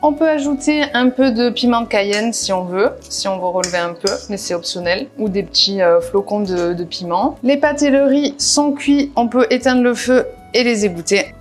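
A woman's voice: on the high side, moderate pace, soft background music. A woman walking through a recipe step by step in a casual cooking voice-over, with practical asides. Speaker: cooking vlogger. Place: home kitchen.

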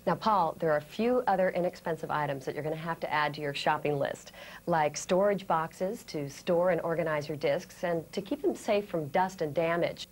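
An American woman in her thirties presenting a scripted training lesson, explaining things clearly step by step. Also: low voice, normal speed. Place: indoor studio set.

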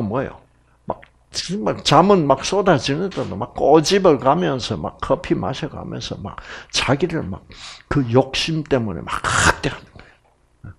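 A man's voice: medium pitch, gravelly, breathy edge. A middle-aged man giving a health lecture to an audience, acting out quoted voices. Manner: animated, acts out quoted voices.

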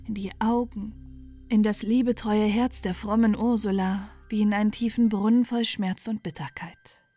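A woman narrating a bedtime fairy tale in a soothing, gentle, unhurried and expressive way. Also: medium pitch. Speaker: storyteller. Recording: music behind the voice.

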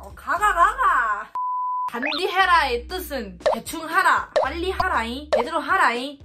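In a small room indoors, a young woman vlogger from Thailand works through a quiz, speaking with the accent of a native Thai speaker in a voice that sits high. Every right or wrong answer draws a loud exclamation from her.

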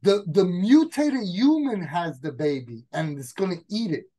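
A man, brainstorming a game scenario as a guest game master in casual chat, talking excitedly with frequent restarts. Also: sits high, a little slow, low-quality recording.

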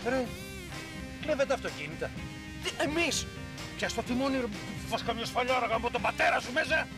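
Jumpy father in the passenger seat, quick to snap. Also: sits high, animated, over music. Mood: agitated. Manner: jumpy, shouting in alarm. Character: nervous, hot-tempered middle-aged father teaching driving.

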